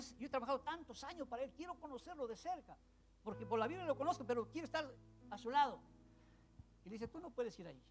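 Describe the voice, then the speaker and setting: Storytelling male preacher, faint music behind. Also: very high voice. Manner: storytelling, swinging between loud bursts and hushed asides. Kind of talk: sermon.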